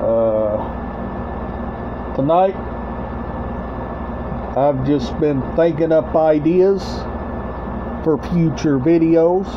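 In a small room at home, a middle-aged vlog host talks casually to camera about his collection, his voice on the high side. He stumbles through short, broken phrases and repeats himself in this rambling show-and-tell. The audio is dull and lo-fi, like a webcam, with clear background noise.

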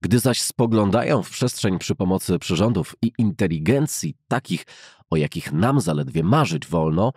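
Deep husky male audiobook narrator. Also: darkish tone, no echo, clean studio sound. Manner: measured, formal, deliberate reading. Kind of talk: scripted literary narration of a classic science fiction novel. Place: dry recording studio.

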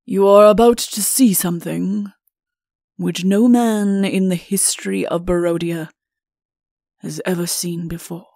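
Storybook monarch, read by a woman: grandiose, imperious and quick-tempered, with a gravelly creak. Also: mid-range voice, lively intonation, no echo, clean studio sound. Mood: grave, portentous. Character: pompous, bellowing, short-tempered king of storybook realm.

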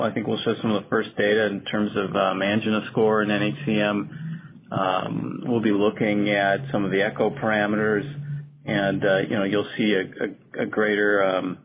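Gravelly, halting man on a noisy phone line. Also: lowish voice. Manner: halting, tentative phrasing. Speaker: company executive answering analysts. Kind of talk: investor call Q&A, spontaneous explanation. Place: conference call.

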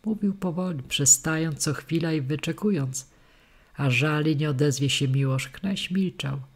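A man narrating a historical tale in a measured, dramatic audiobook reading. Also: on the high side. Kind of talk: scripted narration.

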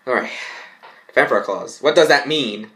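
A young man reads a story aloud and comments on it, haltingly, often tripping over his words. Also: medium pitch, expressive, pushed and bright. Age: young adult. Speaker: vlogger. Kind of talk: reading fan fiction aloud with mocking commentary. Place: small bedroom indoors.

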